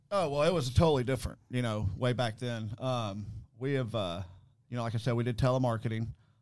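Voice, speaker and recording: A man with a Texan accent talks at a fairly quick pace. His medium pitch varies in an ordinary way. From Texas, Abilene. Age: 40s. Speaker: carpet cleaning business owner. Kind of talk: interview.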